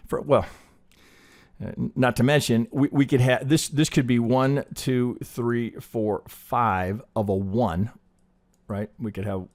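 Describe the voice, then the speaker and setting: A middle-aged man with a mid-range, steady, slightly mellow voice speaks slowly as he teaches chart analysis in an informal live lesson. He's a trading educator and video host who thinks aloud conversationally, often tagging on a checking "right" and swearing casually.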